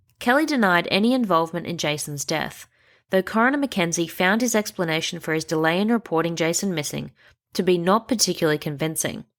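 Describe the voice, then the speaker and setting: A woman with an Australian accent, fairly low pitch and lively intonation at a very fast pace, on a very clean recording with a silent background. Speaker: true crime podcaster. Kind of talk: scripted narration.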